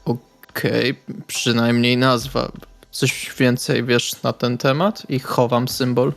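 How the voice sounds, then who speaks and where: Male RPG player, gravelly, flat intonation, hesitant casual roleplay, music bed. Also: medium pitch, slow pace. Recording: music behind the voice.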